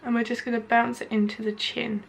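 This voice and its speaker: A young woman rambles through a makeup test at home in a slightly high voice. Her voice is nasal and congested from hay fever, and her throat sounds sore. She talks casually and loosely, leaning on filler words. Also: little pitch movement, fairly quick, gravelly, a little hiss or hum. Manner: chatty, rambling, many filler "like"s. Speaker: beauty vlogger. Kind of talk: casual product review while applying makeup. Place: indoors at home, window open.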